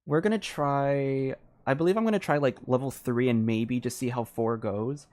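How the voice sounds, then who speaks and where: A game streamer with a medium-pitched voice talks casually through live gameplay. The delivery is hesitant, as thoughts are worked out aloud and sentences often trail off before they finish. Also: normal speed, darkish tone.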